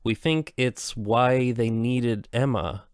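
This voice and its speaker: A man's voice: medium pitch, slow pace, clear, resonant tone, no echo, studio quality, lightly acted. A man reading as a nervous stammering tech guy. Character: nervous young bearded male tech head.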